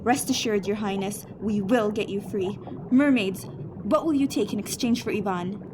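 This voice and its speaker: A woman's voice: mid-range voice, moderate pace, background noise, close to an everyday voice. A woman playing a patient, wry genie who runs a magical help desk in a fantasy comedy audio drama, sounding professional. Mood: reassuring, professional. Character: patient, helpful female genie working magic support desk.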